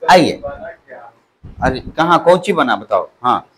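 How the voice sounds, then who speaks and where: A man's voice: mid-range voice, sing-song, takes it slowly, a bit bright, a little hiss or hum. A male polytechnic teacher giving a classroom lecture, repeating key words back to his students as questions. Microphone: clip-on mic at the waist.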